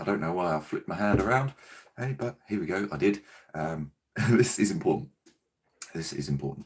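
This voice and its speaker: Doing a put-on character voice, a man sounds husky and raspy at a fairly low pitch, with very wide pitch swings, a fairly quick pace and long, frequent pauses. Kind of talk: calm, guided meditation.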